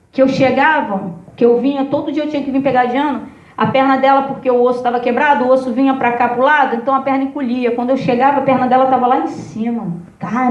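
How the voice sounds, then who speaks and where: A woman pastor telling an emotional testimony in a sermon, calling on listeners by name. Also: high voice. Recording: roomy, distant, dull sound.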